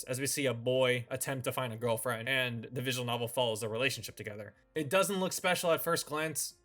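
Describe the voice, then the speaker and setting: A man presents a review in a forceful, bright voice that sits a little high. His delivery is semi-scripted, with opinionated informal asides. Faint music plays behind him. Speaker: host of a visual novel review channel.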